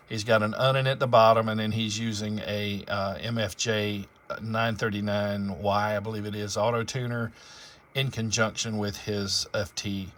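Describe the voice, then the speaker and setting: A man's voice: fairly low pitch, a bit bright. A man hosting an amateur radio channel, talking casually and explaining things in a rambling, conversational way. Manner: rambling, conversational, spells out call signs and jargon. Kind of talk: casual explanatory vlog talk.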